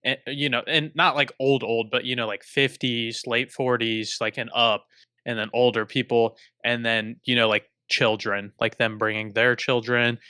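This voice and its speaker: A man's voice: medium pitch, flat delivery, normal speed, sharp tone, smooth, no echo, clean studio sound. A young man co-hosting a casual podcast chat over a remote call, self-deprecating and restarting his sentences often. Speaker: podcast co-host.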